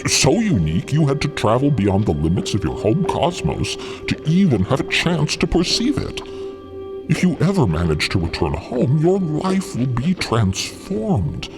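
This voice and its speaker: A man's voice: mid-range voice, huge pitch swings, a little slow, music in the background. A man playing a smug, manipulative and condescending schemer in an audio drama, with theatrical, needling delivery. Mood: taunting, grand. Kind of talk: dramatic audio fiction acting.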